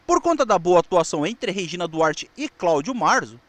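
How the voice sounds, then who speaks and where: A Brazilian man presenting scripted narration on television history, reading in a somewhat halting way with small stumbles. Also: high-pitched, very animated, a bit bright, dry recording.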